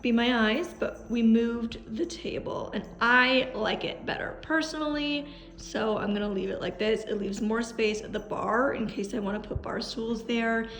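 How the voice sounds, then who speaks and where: A woman's voice: on the high side, steady tone, moderate pace, hardly any pauses, a bit bright. A woman in her twenties, from Canada, chatting casually in a vlog, full of "like" and "um" fillers. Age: 20s. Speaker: vlogger. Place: at home, then a furniture store.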